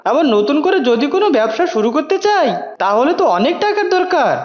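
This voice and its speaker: A woman's voice: high voice, very animated, quick pace, roomy sound. A woman voicing a weak-willed, plaintive male fox, a ruined businessman in a cartoon, on a dull recording over music. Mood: despairing.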